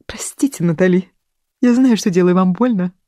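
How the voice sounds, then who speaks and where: An audiobook reader voicing a gallant, courtly balding man who speaks in a high voice. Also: animated, moderate pace, no room sound, studio quality, close to an everyday voice. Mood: gallant, pleading. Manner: courtly, pleading.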